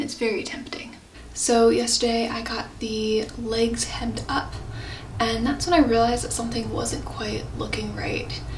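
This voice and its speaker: A woman speaks at a moderate pace. Audible room echo and noticeable background noise surround her. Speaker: sewing YouTuber. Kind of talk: sewing tutorial vlog.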